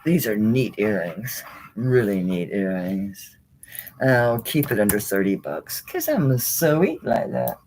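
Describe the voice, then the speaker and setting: A woman's voice: very deep voice, very animated, slow pace, darkish tone, slight background noise, poor audio. A woman hosting a live jewelry auction in a chatty, casual way, laughing often and talking to herself as she handles items. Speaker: online jewelry seller.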